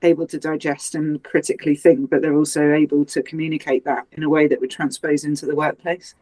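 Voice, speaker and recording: A woman's voice: sits low, flat delivery, brisk, a little mellow, no echo, poor audio. A woman co-hosting a podcast from a remote call, chatty and teasing, laughing often. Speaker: podcast co-host. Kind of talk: casual podcast chat. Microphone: remote call with headphones.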